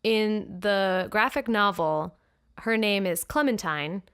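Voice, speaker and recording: A woman's voice: mid-range voice, takes it slowly, fairly bright tone, smooth. A woman co-hosting a book-and-film podcast, chatting casually and laughing often, recorded in a living room. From United States. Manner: easygoing, laughs often, says "like" a lot. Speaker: podcast co-host. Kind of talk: casual chat. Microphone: new podcast microphone.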